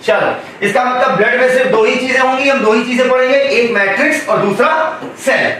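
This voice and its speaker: A man teaching a biology class in a classroom. His voice sits high and he draws answers out of the students with constant questions. The sound comes from far off in a strongly echoing room with a faint hum of ambience. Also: fairly quick, a bit bright. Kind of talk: classroom lecture.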